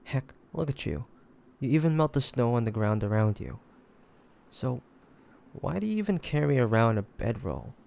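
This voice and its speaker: A man playing a grumpy, flustered demon hunter who secretly cares, speaking in a halting, defensive way in a roleplay audio drama. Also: mid-range voice, sing-song, vocal fry, a little mellow.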